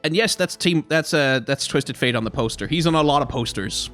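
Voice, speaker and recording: A young man, a little hoarse, chatting casually on a live stream, rambling and answering his chat as he reviews card art. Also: on the high side, a little fast, fairly bright tone, faint music behind. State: slightly hoarse.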